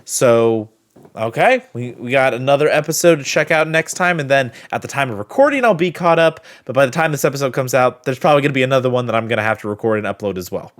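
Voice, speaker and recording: A man with a chatty, expressive manner hosting a reaction video and giving casual commentary and review. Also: mid-range voice, fast.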